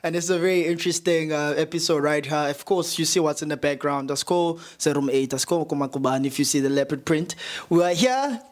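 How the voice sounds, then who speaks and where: A man's voice: fairly high pitch, fast. A man with a South African accent hosting a casual podcast interview at a guest's house, playful and hyping his guest with a put-on radio voice. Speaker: podcast host.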